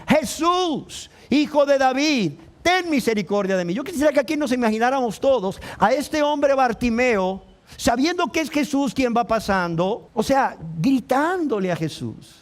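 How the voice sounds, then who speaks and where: A male pastor preaching a sermon with passion, often acting out the voices of the people in his story. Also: very high-pitched. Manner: impassioned preaching, acting out voices of the crowd and the blind man.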